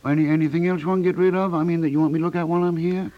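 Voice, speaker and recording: A man's voice: fairly high pitch, fairly even intonation, very fast, a little hiss or hum, close to an everyday voice. A man playing a plain-spoken, unimpressed small-town used-furniture dealer in a 1950s radio comedy, terse and folksy, repeating himself. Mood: businesslike. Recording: muffled old radio recording.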